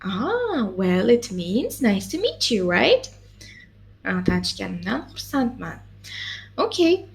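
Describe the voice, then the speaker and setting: Patient woman tutor, lively and slow. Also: mid-range voice, creaky. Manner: patient, encouraging, lots of mm-hmms and checks. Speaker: language teacher. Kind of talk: one-on-one language lesson.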